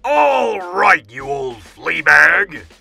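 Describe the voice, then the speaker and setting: A man voicing a brave, bossy mouse commanding officer with a squeaky, blustering military delivery for a children's storybook. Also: big pitch swings, very slow, gravelly, bright, forceful tone, soft background music, exaggerated voice.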